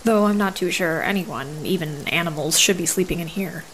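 A woman's voice: lowish voice, normal speed, a bit bright, a little hiss or hum, lightly acted, poor audio. Woman playing an earnest, businesslike temple sister. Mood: polite, businesslike. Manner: direct, serious, politely formal. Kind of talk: audio drama acting.

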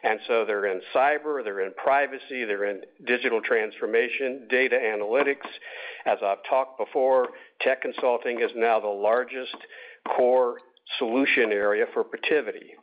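A man speaking as a company executive on an earnings call, answering analysts in measured, short deliberate phrases over a conference line. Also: medium pitch, steady tone. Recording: narrow tinny conference phone line.

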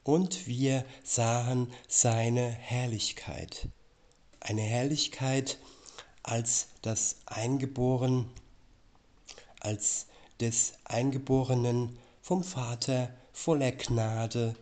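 A man reading Bible verses aloud and explaining them in a slow, deliberate preaching style. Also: medium pitch, steady tone, darkish tone. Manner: slow, measured, deliberate delivery.

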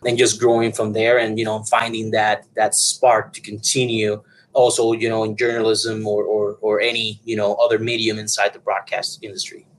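A man's voice: fairly low pitch, monotone, normal speed, low-quality recording. A man from Puerto Rico in his thirties, a broadcast engineer talking as an interview guest, rambling with many fillers and restarts. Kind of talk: conversational interview.

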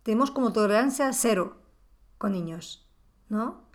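A woman's voice: a little high, animated, a little slow. Woman musing on parenting. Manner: conversational, rhetorical questions to the listener. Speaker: parenting podcast host. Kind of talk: reflective monologue.

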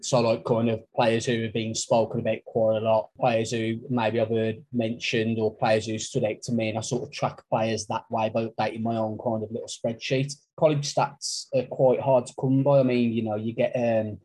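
A man's voice: fairly low pitch, little pitch movement, moderate pace, hardly any pauses, darkish tone, low-quality recording. A man with a Black Country accent talking casually and wordily as a co-host on a sports podcast. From Black Country, England.

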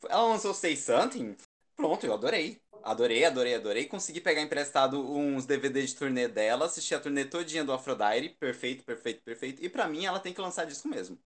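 A man's voice: mid-range voice, lively intonation, quick pace. A man with a Brazilian Portuguese accent in casual chat, gushing and emphatic about what he loves. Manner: gushing, emphatic fan talk.

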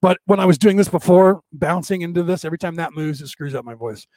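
A middle-aged man with a rough, odd-sounding voice, hosting a rambling, casual spiritual talk for a live audience. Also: fairly high pitch, fast talker, dark tone, no echo. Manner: rambling, many restarts and fillers. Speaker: livestream host.

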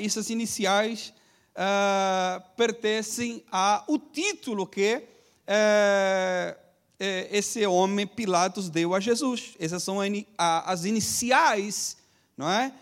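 High-voiced man preaching a sermon. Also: fairly bright tone. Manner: teaching, constantly checks with "não é?" tag questions; drills the congregation to repeat after him. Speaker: pastor.

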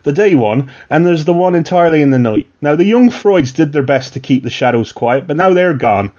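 A man voicing a male town-watch veteran with a West Country accent, talking in a low, conspiratorial, folksy way, on a dull lo-fi recording. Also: lively intonation, a little fast, a little mellow, lightly acted. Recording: dull lo-fi sound.

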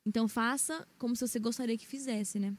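A woman's voice: on the high side, steady tone, fast talker, no echo. A woman with a Brazilian Portuguese accent, co-hosting a casual Christian podcast and speaking emphatically to the listeners. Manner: emphatic, speaks directly to the audience. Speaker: podcast co-host.

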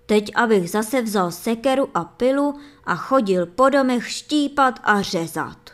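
A woman reading plays a poor laborer husband in a storybook fairy tale. He scolds and reproaches, and he raises his voice. The voice sits rather high. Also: expressive, lightly acted. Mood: alarmed.

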